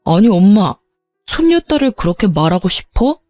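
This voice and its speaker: A woman's voice: mid-range voice, big pitch swings, normal speed, no room sound, faint music behind, lightly acted. A woman voicing a hot-tempered young husband arguing with his parents in a narrated story. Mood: agitated. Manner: pleading then loud, insistent.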